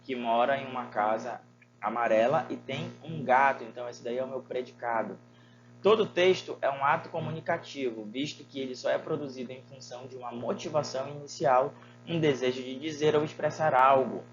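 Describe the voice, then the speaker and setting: A man's voice: mid-range voice, fairly quick, dull audio, music in the background. A man teaching a Portuguese lesson, asking his students rhetorical questions and using many fillers. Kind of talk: recorded online lesson.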